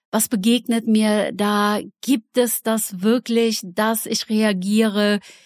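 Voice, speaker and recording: Against a silent background in a very clean recording, a woman speaks at a fairly high pitch, the sound dry and close with no echo. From Rhineland, Cologne area. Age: 50s. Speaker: spiritual medium and astrologer. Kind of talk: casual interview. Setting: studio.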